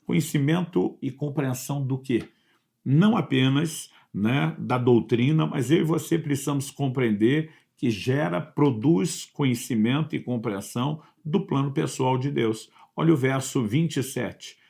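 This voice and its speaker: A man's voice: medium pitch, unhurried, creaky, dark tone. A man preaching a sermon, telling a story in an earnest way and retelling whole dialogues.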